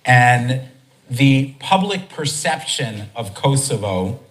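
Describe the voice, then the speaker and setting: A man's voice: medium pitch, slow, rough recording. Chatty American man hosting a talk. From United States. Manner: energetic, chatty, many restarts. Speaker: event host and speaker. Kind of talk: live talk to an audience. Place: conference hall.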